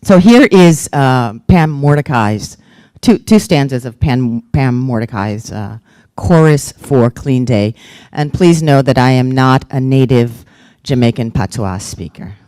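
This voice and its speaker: Slow, mellow-voiced woman poet speaking. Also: a bass voice, lively intonation. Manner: halting, thoughtful, many fillers. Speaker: poetry book editor. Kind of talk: literary reading and talk.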